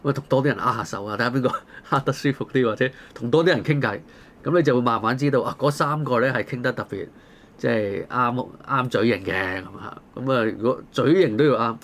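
A man's voice: medium pitch, brisk, a bit bright, a little hiss or hum. A man with a Hong Kong Cantonese accent hosting a casual discussion, talking colloquially through rhetorical questions and everyday examples. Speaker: talk show host.

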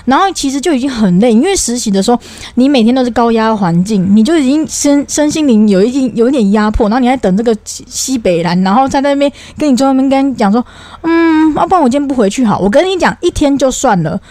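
A young woman chats as a podcast co-host, rattling off a story at a quick clip. Her voice sits on the higher side, and she sounds animated and fed up. The sound is close and dry. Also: no echo. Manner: animated, swearing, exasperated retelling. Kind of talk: casual storytelling chat.

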